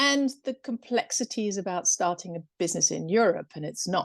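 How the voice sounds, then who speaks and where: Over a quiet background, a woman talks at a moderate pace in a medium pitch. She has an American accent, and the sound is dry and close with no echo. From England. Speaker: camp founder, former banker and lawyer. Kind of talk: interview.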